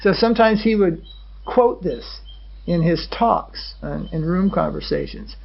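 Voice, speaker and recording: A man, a swami, giving a measured spiritual lecture, often pausing to check on his listeners with a questioning "hmm?". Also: on the high side, animated, creaky. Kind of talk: religious lecture. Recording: dull lo-fi recording.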